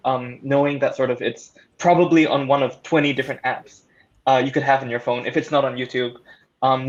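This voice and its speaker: Slightly dull lo-fi audio, guy on a casual panel, pausing and thinking out loud. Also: mid-range voice. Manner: halting, thoughtful. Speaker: audio drama creator and panelist.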